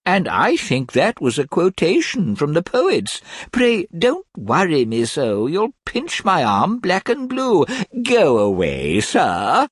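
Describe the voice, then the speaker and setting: A man's voice: on the high side, wildly swooping pitch, slow pace, hardly any pauses, breathy edge, no room sound, studio quality, pitched above the performer's own voice, exaggerated voice. A man voicing a fussy, vain middle-aged mother in a storybook reading, prim and simpering as she scolds. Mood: prim fluster.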